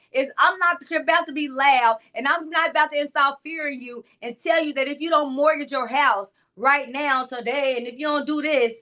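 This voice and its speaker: Here a clarity coach with a high, loud voice addresses her listeners head-on. Her motivational talk is casual and forceful, full of side comments.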